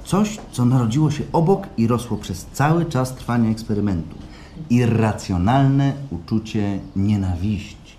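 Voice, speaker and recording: An actor in a radio play playing a weary, reflective client, polite and quietly bitter, speaking in a measured way. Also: male voice, fairly low pitch, lively intonation. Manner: measured, reserved, thoughtful. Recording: faint background noise, live stage.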